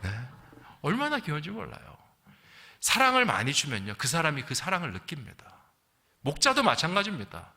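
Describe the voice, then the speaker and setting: A middle-aged South Korean man from Gyeongsang, serving as pastor, gives a fairly quick sermon in a fairly high voice that is bright and forceful, with huge pitch swings. He tells anecdotes, acts out quotes, and asks rhetorical questions conversationally. The big church hall lends a long reverb.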